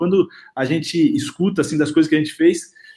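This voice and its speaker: A man talks at a fairly quick pace. His pitch runs high for a man. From interior of São Paulo state, Brazil (Itapetininga). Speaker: basketball coach. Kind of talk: interview.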